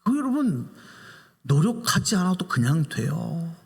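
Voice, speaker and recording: A man's voice: high voice, sing-song, unhurried, gravelly, husky. A male pastor giving a Sunday sermon in a church sanctuary, preaching with animation and putting questions to the congregation. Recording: reverberant church hall.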